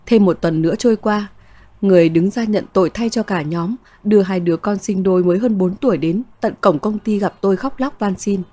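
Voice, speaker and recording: A woman reading a first-person story aloud as its narrator, in a steady, even way. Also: medium pitch, brisk.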